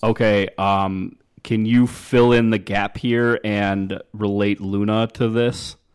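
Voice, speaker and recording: At a very slow pace, a man speaks in a fairly low, monotone, flat voice on a very clean recording with a silent background. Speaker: podcast co-host. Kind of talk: casual chat. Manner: loud.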